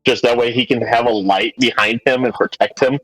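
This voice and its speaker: Guy gamer saying his moves, middle pitch, dry mic, faint music. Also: fairly even intonation, fairly quick, a bit bright, no echo, poor audio. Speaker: player in a tabletop game. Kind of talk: casual description of game actions.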